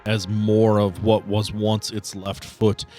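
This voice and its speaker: A man acting as game master, narrating a tabletop role-playing game in descriptive, deliberate detail. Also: lowish voice, level tone, mellow, soft background music.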